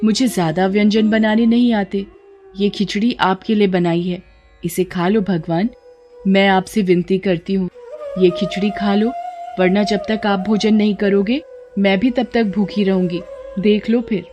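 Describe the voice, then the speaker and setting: A woman's voice: medium pitch, steady tone, measured pace, a little mellow, soft background music, close to an everyday voice. A woman voicing a devout, innocent and stubborn young village girl who talks earnestly and pleads with her god. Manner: earnest, pleading, chatty devotion.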